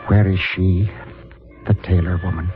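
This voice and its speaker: An actor playing a stern yet merciful Catholic priest in a 1950s radio drama, speaking gravely and deliberately. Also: male voice, sits low, fairly even intonation, lightly acted. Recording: muffled vintage radio recording with music.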